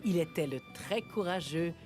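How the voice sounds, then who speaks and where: A gentle female storybook narrator for a preschool cartoon, acted by a woman. Her voice sits fairly low and moves with very lively intonation over a music bed. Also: moderate pace, natural voice. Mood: storytelling. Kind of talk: scripted children's story narration in French. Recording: clear music bed behind.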